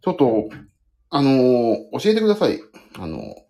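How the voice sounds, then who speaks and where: A pianist and podcaster soaks his feet in the bathroom and chats casually about his work, spinning stories full of self-mocking remarks. His voice is mid-range and dark, with wildly swooping pitch at a moderate pace, and the room sounds echoey.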